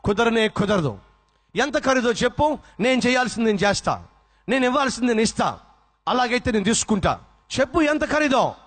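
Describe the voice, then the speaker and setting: A man's voice: very high voice, big pitch swings, brisk, fairly bright tone, pitched above the performer's own voice, exaggerated voice. A man voicing a wealthy male master who firmly insists on paying for a gift. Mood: insistent. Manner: firm, presses the servant to name a price.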